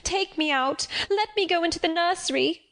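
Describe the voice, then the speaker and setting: A woman's voice: extremely high pitch, moderate pace, fairly bright tone, pitched above the performer's own voice. Jane Eyre, a woman voicing a pleading young girl. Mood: desperate, pleading. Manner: pleading, crying out. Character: frightened desperate young girl.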